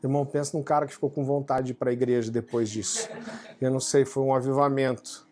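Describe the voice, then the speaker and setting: Animated Brazilian preacher telling a story. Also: male voice, mid-range voice, quick pace. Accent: Brazilian Portuguese. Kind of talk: sermon testimony. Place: home living room. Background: faint guitar music.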